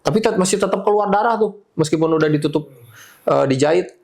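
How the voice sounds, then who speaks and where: A man calmly recounting a personal testimony in an interview, speaking plainly and casually. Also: high voice, fast, creaky. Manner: calm, plain storytelling with casual fillers. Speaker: guest sharing testimony.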